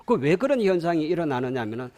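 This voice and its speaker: A man with a Gyeongsang accent giving an animated lecture to parents, often asking the audience questions and having them repeat lines after him. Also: fairly high pitch, fast talker.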